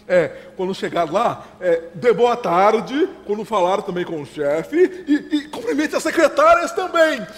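A man's voice: high voice, sing-song, a little slow, hardly any pauses. A man playing a fussy, overbearing father who chuckles, repeats himself and lectures his son in an amateur stage play. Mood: chuckling advice. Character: fussy, overbearing middle-aged father giving advice. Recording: reverberant hall.

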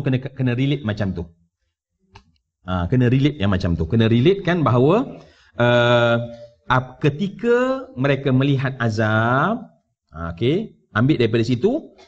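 A man with a Malaysian Malay accent teaching a conversational Quran commentary class in a mosque, asking his listeners questions and dropping in English words. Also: mid-range voice. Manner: animated, conversational, asks the audience questions and mixes in English words. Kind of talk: mosque lecture. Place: large mosque hall. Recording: dull livestream audio from a mosque.

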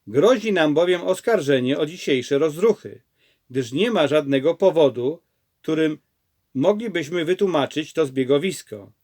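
A man voicing a city clerk who calms an angry crowd, in a plain read-aloud delivery. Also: a little high, unhurried. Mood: calming.

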